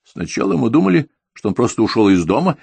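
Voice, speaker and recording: A man voicing a stern, stubborn old émigré woman who speaks with a French accent and a creaky voice. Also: mid-range voice, big pitch swings, quick pace, darkish tone, no echo, voice pushed up, full character voice. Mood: insistent. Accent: French accent in Russian.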